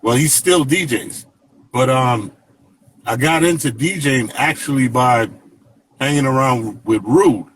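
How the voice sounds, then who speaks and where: A man's voice: medium pitch, unhurried, husky, rough recording. Jamaican-born man reminiscing, laid-back. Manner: relaxed, rambling, many fillers and "you know what I mean". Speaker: guest DJ. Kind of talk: casual interview storytelling.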